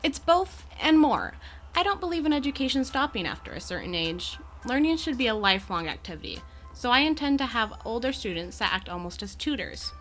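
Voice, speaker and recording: A woman's voice: on the high side, very animated, a little fast, a bit bright, faint music behind. A woman playing an amiable, poised Gorgon educator in an audio drama, with articulate, genteel and reassuring phrasing. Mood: earnest, passionate.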